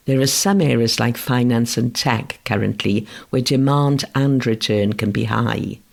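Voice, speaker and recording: A man from Wales, Welsh by first language, narrates a writing lesson in a measured, gentle way. His voice is heavily gravelly and husky, with a mid-range pitch. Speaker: writing course instructor. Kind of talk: scripted educational narration.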